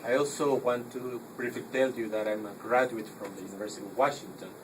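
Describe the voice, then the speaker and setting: A man's voice: mid-range voice, fairly even intonation, fairly quick. A man making informal, friendly remarks from the audience at a public talk. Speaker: audience participant. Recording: distant mic, air conditioning noise.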